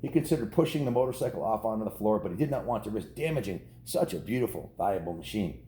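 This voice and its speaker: A man with a low, relaxed voice reads a children's story aloud. He keeps it informal and chatty, drifting into his own remarks to the kids, and the room around him is audibly echoey. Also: fast talker, slight background noise. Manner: informal, ad-libbing. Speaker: storybook reader. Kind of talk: casual read-aloud of a children's novel with chatty asides to kids. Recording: roomy, echoing indoor sound.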